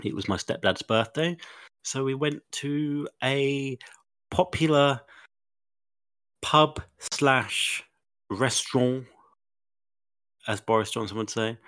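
A man's voice: mid-range voice, slow pace, long pauses, fairly bright tone, clear, resonant tone, dry recording. A man co-hosting a podcast, telling rambling stories full of fillers and sounding a bit sniffly. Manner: rambling, chatty storytelling with many fillers. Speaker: podcast co-host. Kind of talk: casual chat.

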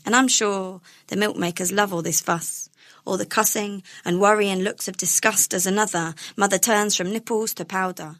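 A woman's voice: mid-range voice, fairly even intonation, normal speed, fairly bright tone, no echo. Young woman doing spoken word, rhythmic n emphatic, really dry sound. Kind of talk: rhythmic rhyming spoken word poetry performance.

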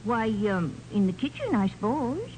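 A woman's voice: fairly high pitch, very animated, moderate pace, darkish tone. An actress playing a nervous, flustered female nurse in a 1940s radio drama. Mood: startled, uneasy. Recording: noisy 1940s radio recording.

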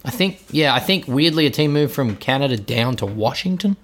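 Australian man, mid-range voice, highly animated pitch, jokey, casual podcast banter. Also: a little fast. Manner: jokey, laughs easily. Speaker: podcast co-host.

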